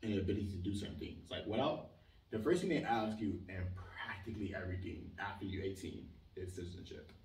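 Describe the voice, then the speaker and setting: A young man from Israel speaks as a guest in a casual interview, his voice low and his pace quick. He's animated and emphatic and leans heavily on the filler "like." The room echoes, and the mic is placed at a distance, giving a roomy sound.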